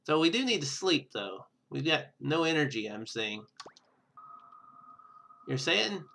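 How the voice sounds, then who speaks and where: Male let's play host: bright, very animated delivery, rambling think-aloud commentary, light music underneath. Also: on the high side, unhurried, vocal fry. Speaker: gaming video host.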